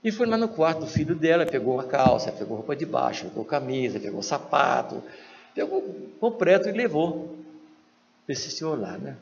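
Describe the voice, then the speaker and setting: A man's voice: normal speed, vocal fry. Man telling a story in a lecture hall. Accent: Brazilian Portuguese. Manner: acts out quoted dialogue with lively shifts in pitch. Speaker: spiritist lecturer. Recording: lo-fi hall recording with faint noise.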